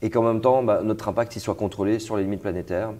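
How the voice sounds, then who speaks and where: A man's voice: fairly low pitch, fairly even intonation, fast talker, dark tone. A young man hosting an interview, talking casually with fillers and restarts. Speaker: host.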